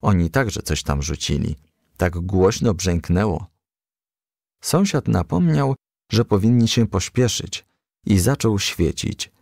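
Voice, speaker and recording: Gravelly low-voiced man reading a children's story. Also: animated, takes it slowly, a little mellow, no echo, studio quality. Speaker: audiobook reader.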